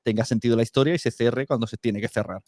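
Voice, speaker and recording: A man's voice: medium pitch, fairly even intonation, fast, darkish tone, dry recording. Spanish man chatting informally, dry close sound. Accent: Castilian Spanish from Spain. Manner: informal, illustrates points with imagined quotes. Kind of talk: casual podcast conversation.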